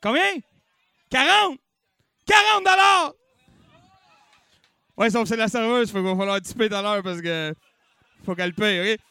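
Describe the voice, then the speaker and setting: Québécois guy running a comedy auction, high bright voice, bounces all over, dry mic. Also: fairly quick, smooth, no echo. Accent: Québécois French. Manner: bouncy and animated, bellowing bids, jokey asides. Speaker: auctioneer and comedy show host. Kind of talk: live comedy-night auction patter.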